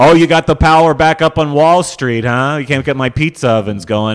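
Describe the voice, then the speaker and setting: With an American accent, a man in an unremarkable speaking voice talks at a moderate pace, his fairly high pitch shaped by lively intonation. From Florida. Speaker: comedian and former pizza restaurant owner. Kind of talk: casual chat.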